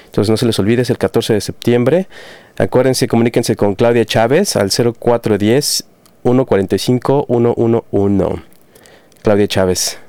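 A man's voice: medium pitch, moderate pace, warm tone, smooth, no echo. A man hosting a casual community radio show, chatty and friendly, announcing local events with many fillers and restarts.

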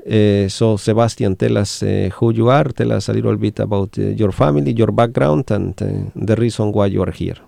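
Slow gravelly man, halting radio host, dark voice. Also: on the low side, steady tone, no room sound, studio quality. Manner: many fillers and restarts, slow and halting. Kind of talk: hesitant radio talk.

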